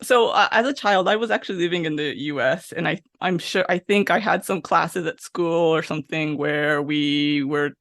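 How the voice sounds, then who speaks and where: A woman, a guest answering thoughtfully with soft laughs and frequent pauses. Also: sits low, no room sound, clean studio sound. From Japan, raised in Texas. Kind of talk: casual interview chat.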